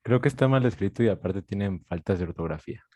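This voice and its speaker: A man's voice: deep voice, expressive, fast talker, a little mellow. A young man, a student answering the teacher with short, hesitant replies.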